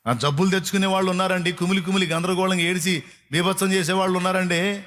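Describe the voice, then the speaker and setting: A pastor preaching to his congregation in a colloquial, emphatic style, firing off repeated rhetorical questions and scolding gently. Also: sits high, steady tone, fast. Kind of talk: sermon to a congregation.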